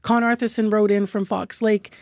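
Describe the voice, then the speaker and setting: Woman hosting a radio show, calm and conversational, dry close mic. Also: mid-range voice, no echo. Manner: measured, conversational, with soft "um"s. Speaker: radio host. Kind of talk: radio interview, reading listener comments.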